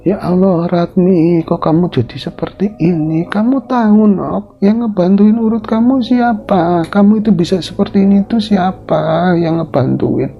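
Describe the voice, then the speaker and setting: Man playing a high-voiced, gravelly old village woman, patient and pleading, on a dull lo-fi recording. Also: moderate pace, few pauses. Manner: pleading, gentle, tearful.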